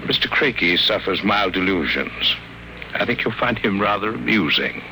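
Low-voiced, formal old sanatorium doctor. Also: male voice, sing-song. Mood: polite, businesslike. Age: older. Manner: formal, measured. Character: small older sanatorium doctor, courteous and smooth-talking. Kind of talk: 1950s radio drama acting. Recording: noisy vintage 1950s radio recording.

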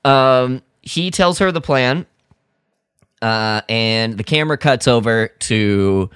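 A man with a very lively, swinging pitch tells a story in a casual, joking way. He sounds like a podcast co-host recapping a plot, recorded close and dry. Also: slow pace, smooth, no room sound. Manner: jokey, acts out dialogue in mock voices.

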